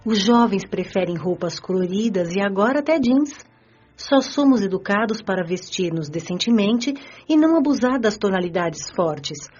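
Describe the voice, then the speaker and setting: An actress playing a kind, elegant female spirit teacher in a radio drama, speaking gently. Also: medium pitch, animated, normal speed, husky, highs cut off. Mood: gentle. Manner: gentle, explanatory.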